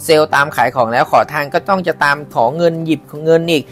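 Man, fast casual book reader who breaks in with chatty asides, light music under. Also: a little high, a bit bright. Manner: reads with chatty asides and exclamations. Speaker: book reader and podcast host. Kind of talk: casual audiobook reading.

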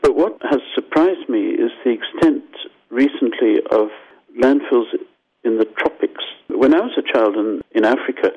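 An older man from Zimbabwe, a scientist guest explaining things thoughtfully in a radio interview, with restarts and lively asides. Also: mid-range voice, moderate pace, breathy edge. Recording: dull lo-fi phone line.

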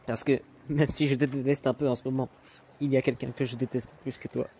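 A man's voice: mid-range voice, level tone, a little fast, warm tone, slight background noise, lightly acted. A man voicing a sassy, slangy, teasing gay demon who grew up in the mob, in a French fan comic dub. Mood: confiding. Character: sassy, crude, teasing gay male spider demon ex-mobster.

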